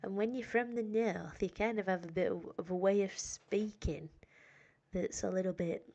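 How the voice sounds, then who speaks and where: A woman from the north of England with a nasal voice and a northern English accent, sounding tired and a little hoarse, chatting casually and rambling with lots of fillers on a live stream for her English learners. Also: medium pitch, steady tone, normal speed, warm tone, dull audio. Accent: northern English, Sheffield. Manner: rambling, self-deprecating, frequent fillers. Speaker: English teacher.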